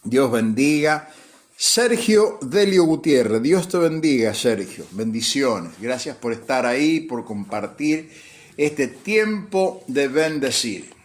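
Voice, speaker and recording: A male pastor speaks in a slightly hoarse voice, as if his throat is tired. He teaches in an informal devotional style, repeating key phrases for emphasis. He often poses a simple question and then answers it himself. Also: mid-range voice, sing-song, slow. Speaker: pastor hosting a devotional broadcast.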